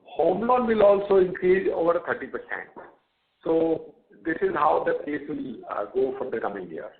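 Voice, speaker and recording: Halting Indian executive on a phone line. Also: male voice, on the high side, lively intonation, creaky. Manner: halting, repeats words. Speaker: company executive answering analysts' questions. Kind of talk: unscripted earnings call answers. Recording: narrow, tinny phone line.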